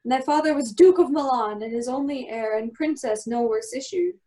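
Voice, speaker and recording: A solemn, commanding exiled wizard duke and protective father, played by a woman with a high voice. The delivery is measured Shakespearean storytelling for an amateur radio play. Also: dark tone, close to an everyday voice. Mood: solemn recounting.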